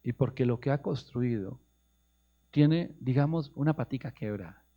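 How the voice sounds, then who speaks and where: Gravelly Colombian pastor preaching. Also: male voice, moderate pace. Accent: Colombian Spanish. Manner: rising to high emphatic questions, addresses listeners as brother. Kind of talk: sermon. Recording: muffled lo-fi radio broadcast.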